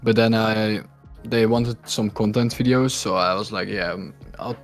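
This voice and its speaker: A man guest on a casual podcast who talks in a low-key way that sounds bored. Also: steady tone, normal speed, faint music behind. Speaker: podcast guest, video editor.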